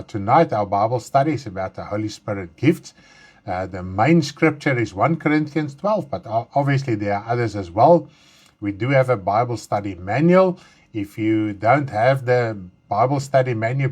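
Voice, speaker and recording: Teaching Bible study, this Afrikaans-speaking pastor has a fairly low voice with a darkish tone. He is earnest but halting, frequently using fillers and starting his sentences over.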